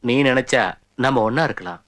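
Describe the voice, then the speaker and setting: A man's voice: medium pitch, brisk, fairly bright tone, lightly acted. An actor playing a scheming male uncle who bullies and insists. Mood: pleading. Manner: insistent, bullying.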